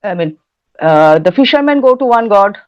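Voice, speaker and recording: A woman's voice: medium pitch, animated, normal speed. A woman from West Bengal with a Bengali Indian accent, explaining things in an interview and often searching for her words. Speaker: interview guest, folktale researcher and writer. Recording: dull, lo-fi audio.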